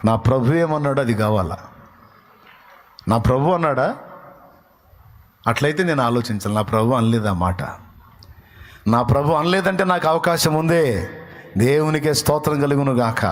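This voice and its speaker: A man's voice: medium pitch, expressive, normal speed, pauses often. A man preaching a sermon emphatically, piling up rhetorical questions and acting out what people say. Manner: emphatic, full of rhetorical questions, acts out quotes. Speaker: pastor.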